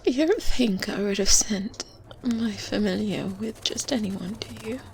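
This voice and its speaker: A woman acting as an experienced good witch speaks very slowly in breathy whispers and soft murmurs, at a middling pitch. She is self-assured and gently condescending, with deliberate pauses, as in a fantasy ASMR roleplay. Faint period ambience sits behind her. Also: slight background noise. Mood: calm, self-assured. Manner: slow, deliberate, hesitant pauses with hums. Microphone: close binaural microphone. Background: medieval ambience sounds.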